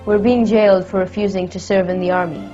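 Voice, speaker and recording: A woman's voice: mid-range voice, steady tone, quick pace, music in the background. Brief: teen woman, earnest lines, muffled recording. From Israel. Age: teens. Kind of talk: scripted statement to camera.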